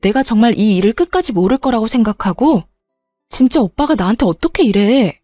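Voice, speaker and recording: A woman voicing an angry young bride-to-be, confronting others in a sharp, heated tone. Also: on the high side, animated, a little fast, no echo, faint music behind. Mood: accusing.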